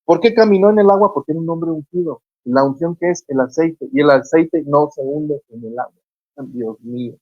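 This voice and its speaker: A preacher, preaching fervently on a Christian radio show and retelling scripture stories with acted quotes. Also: female voice, deep voice, normal speed, no room sound, muffled recording. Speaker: guest preacher on a radio program.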